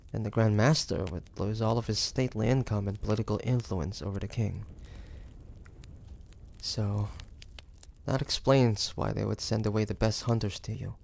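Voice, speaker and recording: A man voicing a wary, stubborn demon hunter from the 1850s in a dramatic audio roleplay, with halting, pointed delivery. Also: lowish voice, vocal fry, a little mellow. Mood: reluctantly reasoning. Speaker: voice actor.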